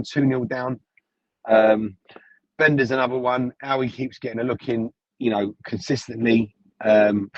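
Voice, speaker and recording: A man leaving a casual voice message, halting and full of "you know" fillers, recorded as a phone voice note. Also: mid-range voice, husky, dry recording, highs cut off.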